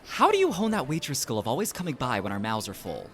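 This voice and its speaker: A man's voice: mid-range voice, huge pitch swings, quick pace, fairly bright tone. An actor playing an easygoing young man who jokes and reassures his friends in an audio drama, speaking casually. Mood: wry, casual. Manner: casual, joking. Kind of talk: acted dialogue in an audio drama podcast.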